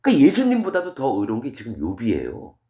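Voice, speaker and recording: Male pastor, middle pitch, very lively expository sermon style with casual paraphrase. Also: fast. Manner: paraphrases verses in casual talking voice, asks rhetorical questions; animated, wide swings in pitch and loudness. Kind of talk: expository sermon reading scripture.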